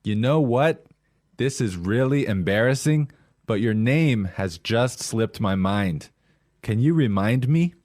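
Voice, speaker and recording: A man playing a polite businessman in a scripted language-lesson dialogue, with a standard American accent and courteous, clear enunciation. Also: medium pitch, lively intonation, takes it slowly, darkish tone, no echo, clean studio sound. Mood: sheepish. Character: polite, hurried businessman, mildly sheepish with an acquaintance.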